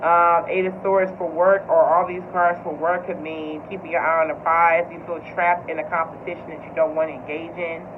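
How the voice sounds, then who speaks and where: Over noticeable background noise and audible room echo, a woman with an American accent speaks fairly quickly in a fairly low, monotone, flat voice, her loudness swinging widely. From US Midwest, Chicago. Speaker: tarot reader. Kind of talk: tarot reading. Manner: casual, meandering with fillers.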